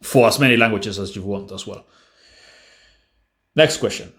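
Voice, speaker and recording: The host of a language-learning channel, a man, runs a casual Q&A, answering viewer questions in a blunt, offhand way and often restarting. His voice sits on the low side, a bit bright, at a moderate pace.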